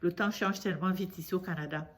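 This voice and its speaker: A woman's voice: lowish voice, fairly even intonation, fast. A woman with a cold telling a news story to her viewers in a chatty way. She often repeats herself and grows indignant as she lectures. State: congested from a cold. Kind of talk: casual storytelling monologue to camera.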